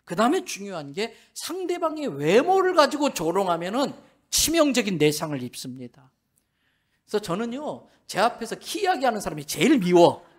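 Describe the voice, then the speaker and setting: A man's voice: high-pitched, normal speed. A middle-aged man, a pastor, preaching a Sunday sermon in a church and telling stories with humor. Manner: animated storytelling, acting out dialogue with humor. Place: church sanctuary.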